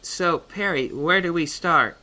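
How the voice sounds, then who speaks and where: A man's voice: fairly high pitch, a little slow, background noise, close to an everyday voice. A man playing an earnest, polite young magic student, modest and deferential, in a comic fantasy audio drama. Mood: curious.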